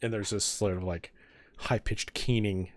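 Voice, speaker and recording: A man narrating an online tabletop game as dungeon master, describing scenes haltingly with many ums. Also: lowish voice, steady tone, dry recording.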